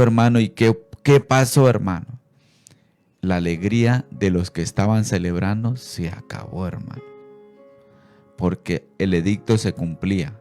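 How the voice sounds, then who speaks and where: Man preaching on christian radio, fired up, keeps saying brother and hallelujah, gets loud and high, soft music under him. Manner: fervent, repeats "hermano" and "aleluya". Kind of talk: radio sermon.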